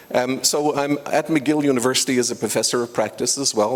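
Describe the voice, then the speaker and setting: The speech is very fast. There is noticeable background noise. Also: man. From Ireland. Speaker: professor. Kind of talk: conference talk. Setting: stage with audience.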